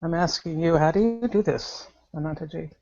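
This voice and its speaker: Laughing, animated woman on a muffled call. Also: sits low, brisk, vocal fry. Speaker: satsang participant. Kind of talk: casual spiritual conversation.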